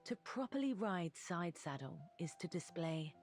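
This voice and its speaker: A woman voicing a gracious, poised noblewoman, gentle and proper, in a genteel, formal manner. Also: lowish voice, animated, unhurried, soft background music. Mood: gently poised.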